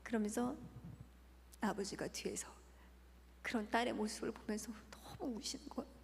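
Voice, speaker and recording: A woman's voice: a little high, moderate pace, vocal fry. Earnest woman testifying in an echoing hall. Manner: earnest, often drops to a near whisper. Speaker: church deaconess giving testimony. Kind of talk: emotional personal testimony. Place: large church hall at a retreat. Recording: long church-hall reverb.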